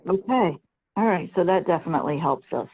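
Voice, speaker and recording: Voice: medium pitch, animated, fairly quick, breathy edge. A committee chair leading a meeting discussion, speaking hesitantly, repeating "okay" and asking questions. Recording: tinny phone-like line.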